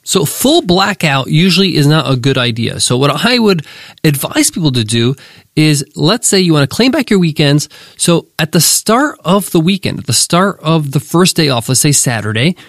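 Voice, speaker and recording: Man, nasal, congested from a cold, fairly high voice, dry close sound, upbeat podcast host. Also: very animated, normal speed, a bit bright, no room sound. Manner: upbeat, motivational, direct to listeners. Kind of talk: solo business podcast lesson.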